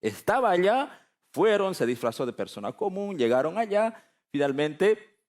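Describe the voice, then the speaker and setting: Preacher guy from bolivia, storytelling sermon, pitch going up and down a lot, very lively. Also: normal speed. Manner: animated, dramatic retelling with asides to the audience.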